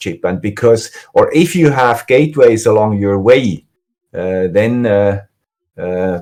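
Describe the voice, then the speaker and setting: In a Swiss accent, a dark, mellow voice moves at a fairly slow pace with ordinary pitch variation. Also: man. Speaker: microcontroller and sensor tech YouTuber. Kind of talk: live stream interview answer. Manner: hesitant, many fillers and repetitions.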